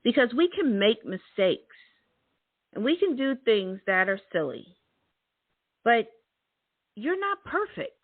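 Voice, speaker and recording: A woman's voice: fairly high pitch, sing-song, slow pace, long pauses, no room sound. A middle-aged woman hosting a motivational talk, emphatic and repeating her key words. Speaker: host. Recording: thin phone-like sound.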